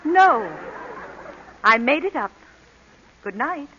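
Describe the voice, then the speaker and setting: An actress playing a cool, witty society jewel thief in an old-time radio drama, poised and dry. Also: female voice, high-pitched, very animated, takes it slowly, heavy background noise, exaggerated voice. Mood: cool, wry. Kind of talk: 1930s-40s radio drama acting. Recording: dull vintage radio broadcast recording.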